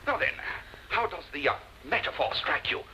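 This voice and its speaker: Brief: pompous husband in a vintage TV drama, bright high voice, huge swoops, grand speechmaker. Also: male voice, big pitch swings, normal speed, slight background noise, full character voice, rough recording. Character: pompous self-satisfied husband, fond of speeches. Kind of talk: 1950s television drama acting.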